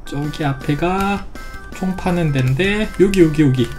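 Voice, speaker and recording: A woman's voice: low voice, unhurried, darkish tone, soft background music. A woman commenting playfully on a game she is playing, with exclamations and silly sound effects. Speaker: gaming YouTuber. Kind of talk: game let's play commentary.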